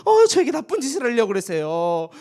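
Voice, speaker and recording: A man voicing a scheming wife who coaxes in a drawn-out sing-song, in a children's Bible story. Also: very high-pitched, wildly swooping pitch, darkish tone, full character voice. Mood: whining. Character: scheming, spiteful wife of a master.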